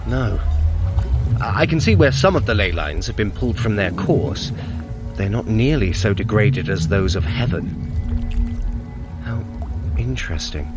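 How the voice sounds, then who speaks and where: Over prominent music, a haughty, sly trickster god in a fantasy audio drama. His low-pitched voice swings expressively through precise, sardonic and theatrical phrases. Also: expressive, a little slow, pauses often. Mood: brooding, smooth.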